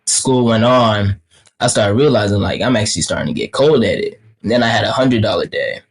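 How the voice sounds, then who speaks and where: A man's voice: on the low side, a little fast, husky. A young man from Kenya, a native Swahili speaker, talking about trading in a laid-back, slangy way over a video call. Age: young adult. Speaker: guest trader. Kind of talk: casual interview.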